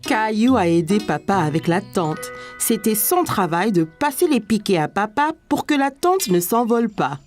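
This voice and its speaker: A woman's voice: mid-range voice, very animated, moderate pace, a little mellow, soft background music. A woman narrating a scripted children's cartoon story.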